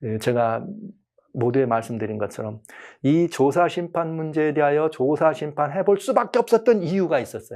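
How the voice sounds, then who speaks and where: A man's dark, mellow voice with lively intonation against a quiet background. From Chungcheong Province, Korea. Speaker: pastor / Bible teacher. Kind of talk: sermon-style Bible lecture. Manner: fast; many hesitation fillers.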